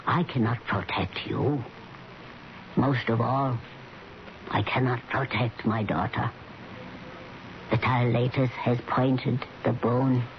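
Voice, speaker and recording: A performer with a low voice, heard as a man, playing a stern, proud island royal in a radio drama, solemn and ominous. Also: steady tone, takes it slowly, pauses often, close to an everyday voice. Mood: solemn, foreboding. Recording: muffled radio broadcast with faint hiss.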